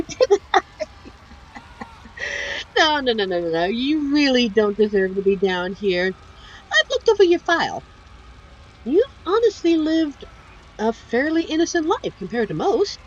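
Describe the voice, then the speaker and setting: A woman's voice: sits high, dull audio, full character voice. A woman voicing a seductive, teasing female demon in a scripted ASMR roleplay, speaking with a coy, condescending, theatrical manner. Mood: gleeful teasing.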